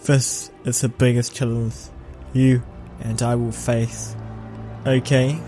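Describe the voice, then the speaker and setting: A man playing a grave hero in an audio roleplay, giving an earnest, measured warning. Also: mid-range voice, level tone, dark tone, lightly acted. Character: grave male hero warning an ally of danger. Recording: faint music behind the voice.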